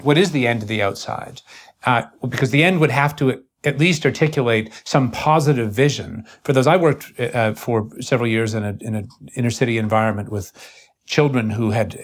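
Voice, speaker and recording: A man with a mid-pitched voice leads a thoughtful, long-form conversation. He speaks earnestly and deliberately, sometimes halting and repeating words as he works toward his point. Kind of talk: intellectual conversation.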